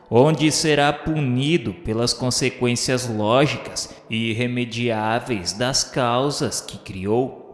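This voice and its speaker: A man playing the solemn spirit of a dead man, recounting his memoirs in declamatory radio drama narration with dramatic pauses. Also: mid-range voice. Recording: echoey long reverb over music. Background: music.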